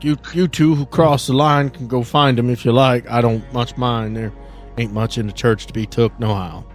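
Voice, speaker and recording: A man voicing a gentle old blind country priest with courteous, folksy rural talk. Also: medium pitch, fairly even intonation, normal speed, soft background music, natural voice. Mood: folksy, calm.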